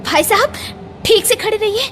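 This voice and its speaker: A woman's voice: extremely high pitch, animated, normal speed, background noise. An actress playing a bold, defiant schoolgirl in a Hindi radio play. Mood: firm, annoyed.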